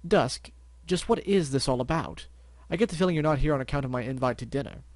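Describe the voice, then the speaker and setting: A man's voice: mid-range voice, fast talker, no echo, natural voice. A man voicing a flamboyant white unicorn stallion who talks in a theatrical, fussy and flustered way in a storybook reading. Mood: refined.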